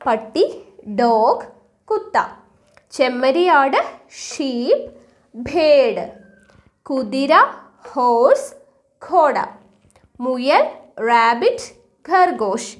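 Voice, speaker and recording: Woman from kerala teaching words online, high voice, asks a question then answers it, slow repetition drill. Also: very animated. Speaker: language teacher. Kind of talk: online vocabulary lesson.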